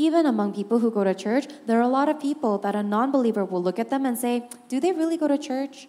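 Over noticeable background noise, a woman with a high pitch and lively intonation speaks at a fairly quick pace with hardly any pauses. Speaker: English interpreter. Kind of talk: consecutive interpreting of a sermon. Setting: church.

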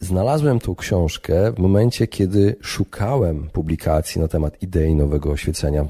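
Recorded dry and close with no echo, a man with a very deep, low pitch and a dark, mellow, somewhat breathy tone speaks at a moderate pace, his loudness very even and his intonation lively. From Poland, Białystok. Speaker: podcast host. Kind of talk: solo monologue podcast.

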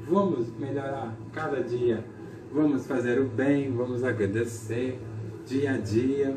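A man talks very slowly while noticeable background noise carries on. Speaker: radio announcer / live host. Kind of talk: live radio announcer promo. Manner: upbeat, motivational. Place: shop.

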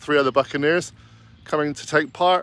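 The delivery moves at a very fast pace. The sound is dry, with no echo. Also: man. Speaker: golf vlogger. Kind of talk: casual vlog chat. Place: open country. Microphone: phone near.

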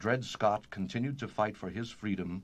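A normal speaking voice from a man, fairly low in pitch with ordinary pitch variation. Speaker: narrator. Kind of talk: scripted dramatic narration. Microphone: old recording.

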